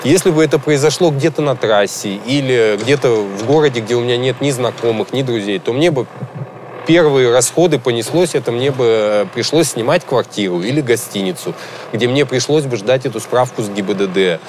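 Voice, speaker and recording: A man in his thirties, interviewed outdoors about his damaged car, speaking haltingly with many fillers. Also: mid-range voice, a little mellow, a little hiss or hum. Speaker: driver interviewed about a crash. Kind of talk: casual interview. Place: outdoors by a car repair yard.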